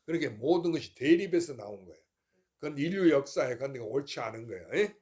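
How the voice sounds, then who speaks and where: A man's voice: mid-range voice, animated, fast, darkish tone. An older man, a Buddhist monk, giving a folksy, informal Dharma talk to his temple congregation and often asking whether they follow him.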